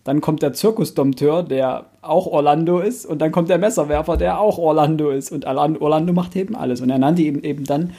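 A man's voice: fairly high pitch, a little fast, hardly any pauses, warm tone, breathy edge. A man co-hosting a podcast in a casual, conversational style. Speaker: podcast co-host. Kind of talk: casual chat about books, films and series.

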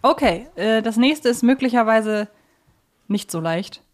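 A woman's voice: fairly high pitch, lively intonation, unhurried. A woman chatting casually as co-host of a fan quiz podcast.

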